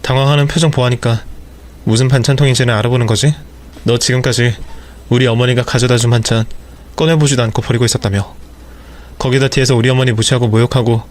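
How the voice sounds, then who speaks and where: A man's voice: medium pitch, fairly even intonation, quick pace, close to an everyday voice. A man voicing an angry husband who speaks harshly and accusingly to his wife.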